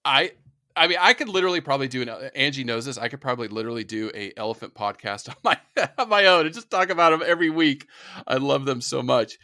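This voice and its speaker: A man's voice: mid-range voice, lively intonation, quick pace, sharp tone, no echo, clean studio sound. Enthusiastic rambling podcast host, a man. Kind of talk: casual podcast interview.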